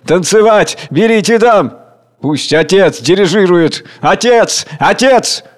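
A man shouting as a frenzied rioting mob. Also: expressive, slow pace, in a large hall. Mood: pleading. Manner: shouting, wild, high-pitched. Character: frenzied mob of hungry men, shrieking for riot.

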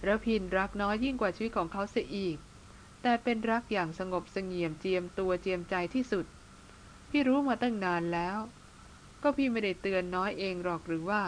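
A woman's voice: mid-range voice, brisk, slight background noise, close to an everyday voice. A woman reading as a blunt, teasing big brother. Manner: blunt, teasing, plain-spoken. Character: teasing bearded older brother, blunt but tender man.

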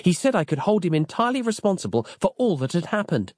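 A man voicing a calm, capable female FBI agent who reports events briskly and matter-of-factly. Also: sits high, no echo, studio quality, pitched above the performer's own voice.

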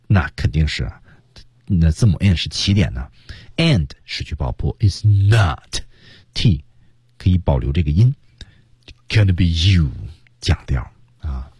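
A man runs an English pronunciation lesson on the radio. His low voice is husky and swings widely in pitch as he acts out the lines. The sound is dry and close. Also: dry recording. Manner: animated, demonstrates lines with voice shifts.

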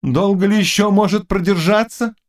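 Impassioned royal figure, high and declaiming, read by a male narrator. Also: moderate pace, close to an everyday voice. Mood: anxious. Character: old king, commanding, fiery and emotional.

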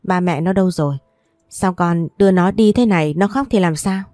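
A woman's voice: on the low side, moderate pace, mellow, no room sound, studio quality, faint music behind, close to an everyday voice. Woman voicing a worried old grandfather. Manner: questioning, worried. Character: older countryman, concerned grandfather.

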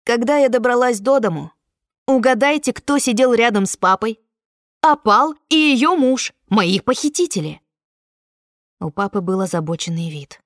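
A woman's voice: a little high, expressive, moderate pace, no echo. Dry-voiced woman reading a novel aloud. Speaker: audiobook narrator. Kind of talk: first-person novel narration.

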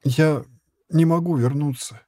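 A frail, timid young girl pleads in a lifted, mellow voice, as a male reader puts her on. The recording is dry and close, with no room sound. She speaks as a storybook figure who is anxious and clinging. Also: fairly high pitch, unhurried, dry recording, pitched above the performer's own voice. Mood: pleading.

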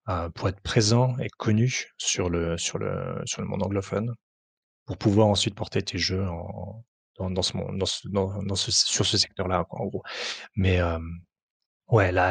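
A man with a low, gravelly, slightly husky voice answers in a halting way, circling back with fillers and restarts. The recording is dry and close. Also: fairly bright tone, no echo. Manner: hesitant, many fillers and restarts. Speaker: tabletop RPG author, translator and publisher. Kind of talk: conversational interview answers.

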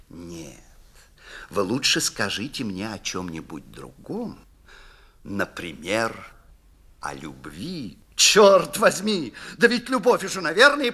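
A man voicing a sly, scheming male devil who poses as a lawyer, speaking in an insinuating manner that keeps dropping into hushed whispers, in a classic theatrical literary reading. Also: mid-range voice, slightly rough, full character voice.

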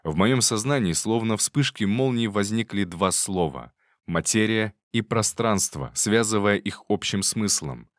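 Male narrator with a low, dry voice for first-person fantasy audiobook reading; steady, measured delivery. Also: dry recording.

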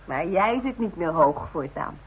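A woman's voice: fairly low pitch, expressive, measured pace, highs cut off, background noise. An actress playing a devoted, worried woman who is firm and direct, in a naturalistic radio play on an old recording. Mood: worried, reproachful. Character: devoted, plain-spoken, worried woman coaxing her stubborn father.

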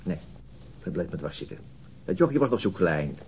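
A deep husky cop in a radio play, dogged and troubled, thinks as he talks. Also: sing-song, moderate pace, darkish tone, heavily acted. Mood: troubled, pensive. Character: dogged, troubled male police detective recounting his inquiry. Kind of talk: naturalistic Dutch radio drama acting.

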